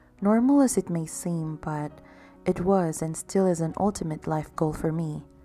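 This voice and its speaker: A woman's fairly low, calm voice at a moderate pace with ordinary pitch variation, music in the background. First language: not English. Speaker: painter. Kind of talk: vlog voice-over narration. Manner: calm, reflective.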